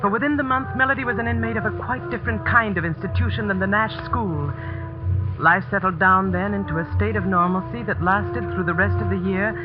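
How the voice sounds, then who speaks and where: A woman's voice: mid-range voice, fairly quick, natural voice. Tense determined teacher, played by a woman, narrating, muffled old broadcast, music behind. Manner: tense, earnest storytelling. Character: determined female schoolteacher who narrates. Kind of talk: 1940s radio narration and acting.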